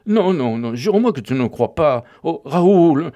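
Guy putting on a tearful desperate woman, stammery and pleading, pitched way up from his own low voice. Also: lively intonation, unhurried, warm tone. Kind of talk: audiobook reading.

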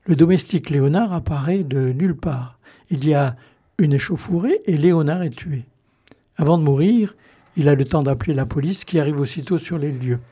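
Male presenter, husky and a little high; calm scripted summary. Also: normal speed. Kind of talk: scripted introduction.

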